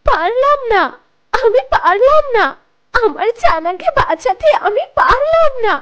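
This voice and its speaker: A woman's voice: extremely high pitch, very animated, unhurried, fairly bright tone, highs cut off, heavily acted. A woman voicing a timid, gullible, sorrowful little mother tailorbird in a children's cartoon, pleading and stammering plaintively. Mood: tearful.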